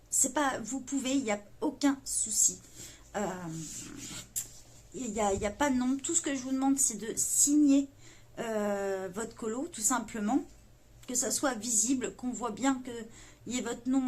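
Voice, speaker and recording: A woman hosting a coloring channel, talking to viewers in a hesitant, earnest way with many pauses and fillers. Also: fairly high pitch, darkish tone. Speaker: YouTube coloring channel host. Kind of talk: casual video address to viewers.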